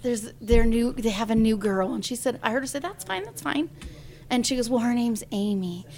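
A woman's voice: fairly high pitch, fairly quick. A woman in her forties, a singer, telling a personal story in an interview and acting out the voices of the people she quotes. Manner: lively storyteller who acts out quoted voices.

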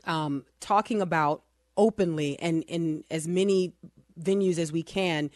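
A woman's voice: fairly low pitch, unhurried, a little mellow, no echo, clean studio sound. Earnest woman hosting a faith talk show. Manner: earnest, chatty, many restarts and fillers. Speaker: podcast host. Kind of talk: casual Christian talk show chat.

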